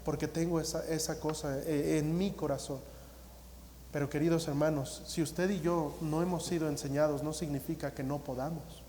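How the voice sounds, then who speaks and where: A man's voice: on the high side, fairly even intonation, moderate pace, warm tone, slight background noise. A man with a Mexican Spanish accent preaching a sermon as pastor, earnest and pleading, often restarting his sentences. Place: church sanctuary. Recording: roomy church hall reverb.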